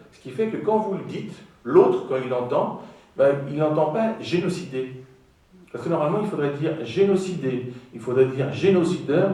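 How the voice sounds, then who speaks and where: A man's voice: a little high, warm tone. Guy giving a lecture, lots of pointed questions at the crowd, heavy echo, mic way off. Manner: emphatic, rhetorical questions to the audience. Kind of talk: public lecture. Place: large auditorium. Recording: echoey auditorium from far off.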